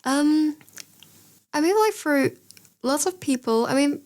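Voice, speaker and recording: A woman's voice: high-pitched, lively intonation, slow, darkish tone. A woman hosting a casual podcast interview, chatty and encouraging, with non-native phrasing. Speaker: podcast host.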